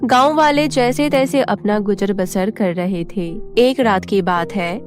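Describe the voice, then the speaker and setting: A woman's voice: mid-range voice, a little slow. A woman storyteller reading a scripted children's tale as narration. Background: faint music.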